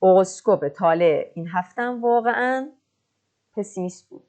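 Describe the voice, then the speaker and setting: A woman teaching French, patiently explaining and slowly reading French example sentences. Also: mid-range voice, lively intonation, a little mellow. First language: Persian. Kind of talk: online language lesson.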